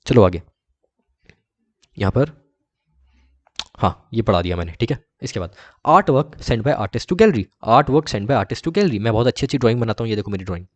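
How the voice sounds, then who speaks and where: A man's voice: mid-range voice, expressive. Indian man teaching in a repetitive lecture. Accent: Indian English. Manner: repetitive, reassuring, reads rules slowly in English. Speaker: commerce tutor. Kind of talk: exam-prep lecture.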